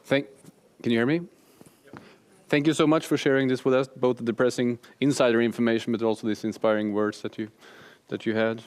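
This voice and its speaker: Smooth-voiced male moderator. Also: mid-range voice, little pitch movement, fairly quick, darkish tone. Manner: hesitant, with fillers. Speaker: event moderator. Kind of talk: moderating audience Q&A.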